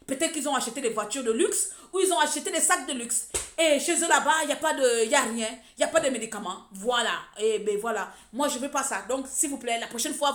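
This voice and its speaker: A woman from Gabon, an activist ranting sarcastically and scolding on a live stream. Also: sits high. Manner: mocking, scolding, repetitive. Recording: echoey room.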